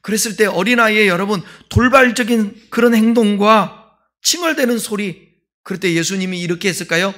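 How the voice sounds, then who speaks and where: Guy pastor giving a sermon, pretty high voice, gets loud then drops to quiet asides. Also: fairly quick. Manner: conversational preaching, asks the congregation questions; swings between loud emphasis and quiet asides.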